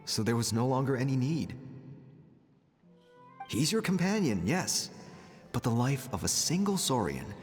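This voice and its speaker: An actor playing a scheming, self-justifying tribal chief in a video game, condescending and theatrical. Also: male voice, mid-range voice, sing-song, unhurried, long pauses. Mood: defensive, cold. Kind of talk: dramatic game dialogue. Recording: long reverb, music underneath.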